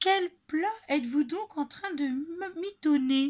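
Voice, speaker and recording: A woman puts on a character voice, high-pitched and fairly slow. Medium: read story.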